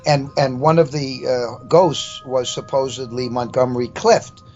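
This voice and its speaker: Older male, halting stammer, rambling casual storyteller, muffled lo-fi audio, faint music. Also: medium pitch, fairly even intonation, a little mellow. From New York, USA. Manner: halting, stammering, repeats words. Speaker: interview guest telling a personal ghost story. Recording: dull lo-fi sound with faint music.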